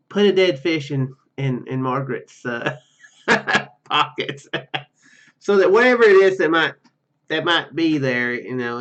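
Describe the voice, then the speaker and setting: A man's voice: on the high side, fairly bright tone, dull audio. A man hosting a gaming video, reading game text aloud and commenting as he plays.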